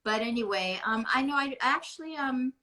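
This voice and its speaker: A woman's voice: high-pitched, expressive, normal speed, sharp tone. An American woman from Beverly Hills, an actress chatting as a guest in an interview, rambling with many restarts. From United States. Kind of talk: casual interview chat.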